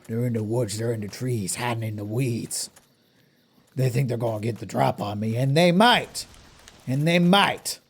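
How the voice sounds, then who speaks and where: Husky, swaggering lumberjack braggart, done by a man in a gruff put-on. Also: mid-range voice, moderate pace, voice pushed down. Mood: cocky. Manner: swaggering self-praise, sing-song bragging. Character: boastful gruff lumberjack man, cocky tree-slayer.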